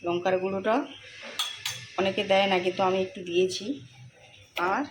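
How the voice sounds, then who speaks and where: A woman talks through a recipe in her home kitchen, chatty and soft-spoken. Household and animal sounds come through clearly behind her. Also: medium pitch, level tone, brisk, background noise. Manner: chatty, explains each step, talks softly while cooking. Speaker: vlogger cooking at home. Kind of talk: casual cooking vlog narration.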